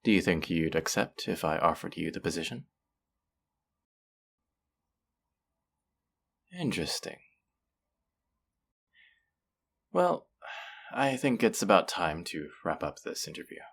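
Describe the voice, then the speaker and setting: Audio roleplay villain , male actor: courteous, polished supervillain, creaky voice, highly animated intonation, measured and theatrical. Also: exaggerated voice. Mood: confident, courteous. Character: suave, pleasant male supervillain interviewing a minion recruit. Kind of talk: scripted roleplay audio drama, conversational monologue.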